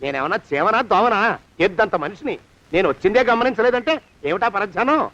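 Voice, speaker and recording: A man's voice: high-pitched, animated, fairly quick, a bit bright. An actor playing a stingy, scheming older man who bosses his servants and scolds them in a blustering way. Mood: suspicious. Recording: dull lo-fi film soundtrack.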